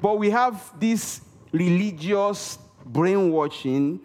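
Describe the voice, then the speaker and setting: Man, preacher, sermon, emphatic, repeats words for effect, slightly high voice, long hall reverb. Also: animated, slow pace, a little mellow, soft background music. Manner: calls for audience response. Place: church hall.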